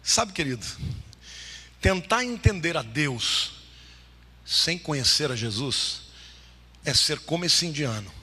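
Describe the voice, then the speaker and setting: High, lively male preacher in a reverberant hall. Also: takes it slowly, long pauses, breathy edge. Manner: dramatic preaching, swinging from loud high exclamations to low hushed lines. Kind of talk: sermon.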